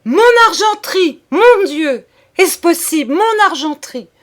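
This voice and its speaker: A woman's voice: sits high, very slow, darkish tone, pitched above the performer's own voice. A woman voicing a panicked bourgeois lady of the house who wails over her stolen silver and then drops to a childlike whimper. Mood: wailing. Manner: wailing, breaking into a childlike whimper.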